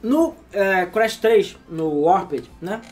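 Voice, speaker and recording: A man's voice: high voice, lively intonation, drawn-out words. A sleepy man co-hosting a casual gaming chat, rambling and swearing freely. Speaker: podcast co-host.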